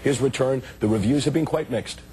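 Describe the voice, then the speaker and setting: A middle-aged man hosting a studio talk show, asking brisk, pointed questions with a teasing edge while his voice is going hoarse. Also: mid-range voice, dark tone, a little hiss or hum. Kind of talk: interview questioning. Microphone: lapel mic.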